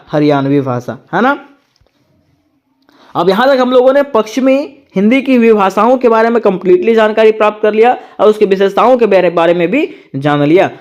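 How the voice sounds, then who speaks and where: Heard through lo-fi sound, a teacher with a medium-pitched, darkish voice gives exam-prep instruction from notes. Every point is explained in everyday terms and turned into a question for the listeners, which the teacher then answers.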